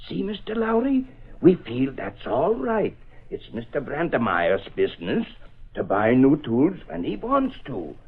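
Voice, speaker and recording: An actor playing a plain-spoken striking street laborer in a 1930s radio drama, with halting, folksy working-class speech, on a tinny old broadcast. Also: male voice, fairly high pitch, slightly rough, full character voice.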